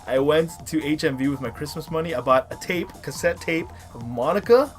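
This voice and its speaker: Man, thirties, raised pitch, animated countdown host, casual reviewer, playful hype, light music behind. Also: brisk. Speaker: host of a top three video series.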